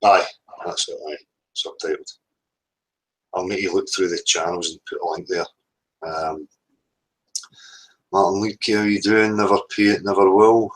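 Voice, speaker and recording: A man's voice: low voice, level tone, normal speed, long pauses, low-quality recording. A man with a Scottish accent chatting casually as a livestream host and reading out the live chat.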